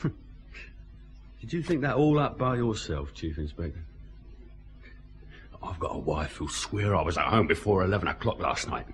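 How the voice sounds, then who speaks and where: An actor playing a surly, mocking truck driver, held for a safe robbery, in a vintage radio drama. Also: male voice, low voice, animated, measured pace, pauses often, a little hiss or hum. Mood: sardonic. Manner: sardonic, evasive, mocking. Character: surly man, a jailed truck driver with a record.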